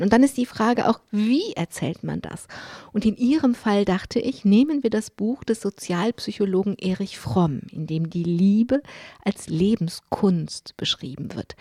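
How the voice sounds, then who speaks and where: Woman host, mellow voice, calm measured questions, dry studio sound. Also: medium pitch, no echo. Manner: calm, measured, partly scripted. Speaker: radio interviewer, host. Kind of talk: prepared interview questions.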